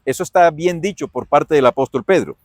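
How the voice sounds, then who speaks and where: A man with a Colombian accent teaching a Bible lesson as a pastor, in a folksy, animated way that asks and answers his own questions. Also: a little high, a little fast, dry recording, studio quality. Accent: Colombian Spanish.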